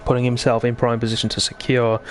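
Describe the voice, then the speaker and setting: A man's voice: mid-range voice, completely flat delivery, fast talker, faint music behind. A man hosting live esports racing commentary in a chatty, conversational way, bantering with his co-commentator. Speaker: sim racing commentator and host.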